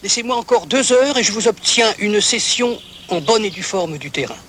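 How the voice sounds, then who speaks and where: A man's voice: high-pitched, expressive, normal speed, fairly bright tone, slight background noise. A man playing a stubborn army officer in a film comedy, giving orders in a clipped, commanding military way. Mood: insistent.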